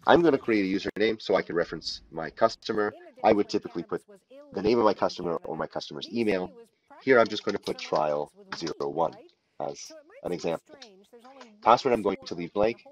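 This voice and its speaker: A man with a low-pitched voice talks through a screen-recorded tutorial. He sounds unscripted and instructional, laying out each step deliberately as he goes. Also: poor audio. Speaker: tutorial presenter. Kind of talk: unscripted step-by-step software walkthrough.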